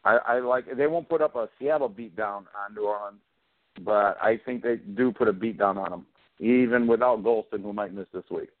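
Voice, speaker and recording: A man's voice: on the low side, normal speed, no room sound. A man on a sports radio panel giving blunt, confident picks with playful jabs. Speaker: fantasy football panelist. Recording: dry, phone-like narrow band.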